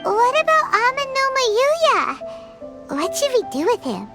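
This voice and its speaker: Tiny fairy companion, very high, lively, worried, chatty, loud game music behind. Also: female voice, slow, heavily acted. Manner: high squeaky worried voice, refers to herself in third person. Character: small floating female fairy companion, anxious and chatty. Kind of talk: video game voice acting.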